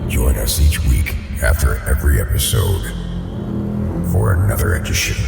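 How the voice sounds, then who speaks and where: Cavernous, gravelly, extremely deep horror announcer. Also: male voice, moderate pace, heavily acted. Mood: ominous. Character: sinister, ominous male horror show announcer. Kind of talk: scripted horror podcast outro. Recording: cavernous long reverb, distant, scary music.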